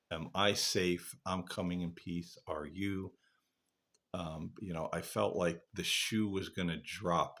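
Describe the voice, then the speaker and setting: A man hosting a paranormal channel, talking casually and reflectively to viewers in an earnest, halting, rambling way. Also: low-pitched, fairly bright tone, husky. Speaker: paranormal investigator and channel host.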